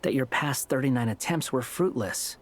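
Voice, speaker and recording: A man's voice: mid-range voice, animated, moderate pace, slight background noise, lightly acted. A man playing a blunt, skeptical companion. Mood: stern. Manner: blunt, challenging.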